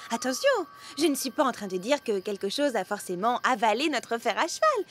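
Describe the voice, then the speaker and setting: A woman's voice: on the high side, big pitch swings, a little fast, noisy background. A woman voicing a nervous, chatty little girl in a French cartoon dub, stammering when scared. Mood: flustered. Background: music.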